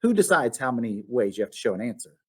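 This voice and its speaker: Man as an animated, encouraging lady math teacher. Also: mid-range voice, fast, slightly rough. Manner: instructive, encouraging. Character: patient, encouraging female math teacher, brightly prompting. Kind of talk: storybook read-aloud.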